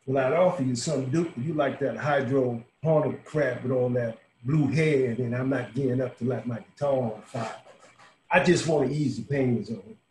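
A man's voice: moderate pace, natural voice. An older man reading a monologue as a brash, crude dying man at a bar, over a video call. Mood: wry confiding. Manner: brash, loud outbursts, then low confiding. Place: home room. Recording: echoey video call room.

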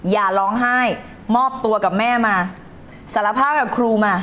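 A woman's voice: medium pitch, steady tone, normal speed, fairly bright tone, a little hiss or hum. A woman life coach hosting a live stream, talking emphatically, scolding and teasing her viewers and reading their comments aloud. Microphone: streaming setup.

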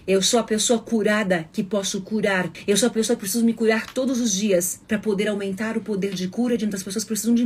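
A woman's voice: lowish voice, darkish tone, slightly rough. A middle-aged woman with a Brazilian Portuguese accent, teaching as a self-development coach in an emphatic monologue full of rhetorical questions.

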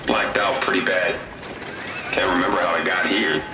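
An actor playing a sarcastic, irritable worker trapped in a robot in a video game. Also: male voice, low voice, fairly even intonation, normal speed, very noisy, close to an everyday voice. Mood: matter-of-fact. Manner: sarcastic, exasperated. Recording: echoey, loud music underneath.

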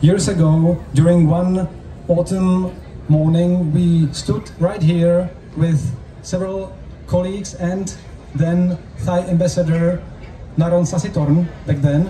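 A man with a Czech accent speaks in a soft, very dark tone at a slightly high pitch. He interprets formally for an event, heard from a distance over a roomy PA. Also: fairly even intonation. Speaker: interpreter and stage host. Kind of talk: live consecutive interpreting at a public event. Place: open-air covered festival stage. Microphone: handheld mic through PA, recorded from audience. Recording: roomy, distant stage PA sound with noise.

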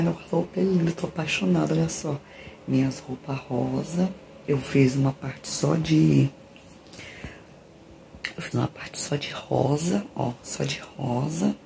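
A gravelly, dark-toned voice of extremely low pitch belongs to a middle-aged Brazilian-accented woman chatting casually and ramblingly to her viewers. She's a vlogger filming indoors in small home rooms, phone at arm's length, and the handheld audio is noisy.

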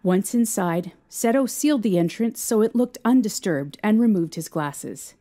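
A woman's voice: mid-range voice, animated, moderate pace, mellow. A woman narrating a scripted story as the narrator of an audio drama.

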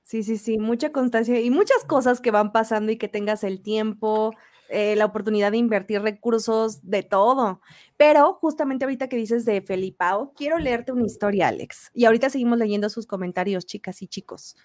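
Lively young woman host, dry close mic. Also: fairly high pitch, fairly quick, no room sound. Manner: friendly, lively, addressing viewers. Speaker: engineering YouTuber and host. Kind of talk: casual live chat, reading messages aloud. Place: home studio. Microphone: studio mic in front.

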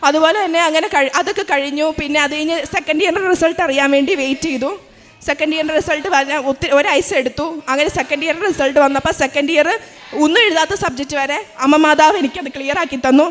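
Speaking quickly in a high voice, a young nursing student tells the story of her faith with sincerity and emotion. The sound is washed in long hall reverb.

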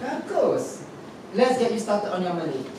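A man's voice: high-pitched, sing-song, measured pace. A man with a Singaporean accent playing a teasing middle-aged trans woman aunt in a staged reading, full of sassy, mocking banter. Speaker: stage actor. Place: theater black-box stage with audience. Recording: roomy theater stage, distant mic, noisy.

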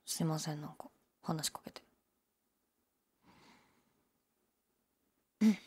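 Low breathy voice, actress as young downer gyaru clerk, listless, hesitant, casual audio drama. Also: female voice, fast talker, warm tone. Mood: flat, polite. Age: young adult. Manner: listless, hesitant, mumbled casual polite speech. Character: downer gyaru convenience-store clerk, young woman, laid-back, shyly candid. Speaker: convenience store clerk. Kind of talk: male-oriented situation voice drama, casual chat.

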